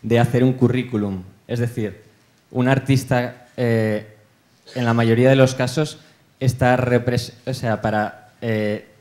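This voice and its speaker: A man interviewing on a panel, asking a long question in a measured way while searching for his words. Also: medium pitch, little pitch movement, a little mellow.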